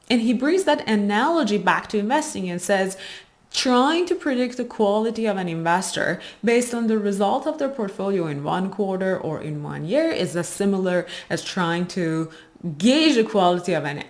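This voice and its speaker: Female presenter, medium pitch. Prepared explainer delivery to viewers, measured, with emphasis on key phrases. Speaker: host of an investing channel. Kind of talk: explanatory investing commentary, prepared talk to viewers.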